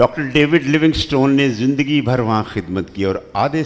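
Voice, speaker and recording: A normal speaking voice from a man, medium in pitch, with lively intonation. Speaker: preacher giving a sermon. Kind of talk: church sermon.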